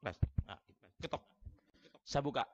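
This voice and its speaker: A priest with an Indonesian accent telling a dramatic story in a sermon, often calling out to the congregation. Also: male voice, unhurried, noisy background.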